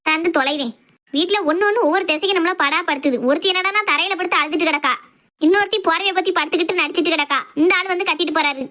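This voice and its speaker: A woman playing a sharp-tongued middle-aged housewife and strict mother, talking sarcastically. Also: very high voice, rapid-fire. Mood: scolding. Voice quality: scolding, sarcastic. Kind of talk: comic family skit.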